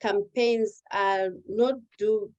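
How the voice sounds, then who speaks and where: A woman's voice: mid-range voice, steady tone, very slow, darkish tone, highs cut off. A young adult woman from Malawi, speaking English as an as the guest in an online panel conversation, explaining earnestly with examples. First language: Chichewa or another Malawian language. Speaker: guest activist.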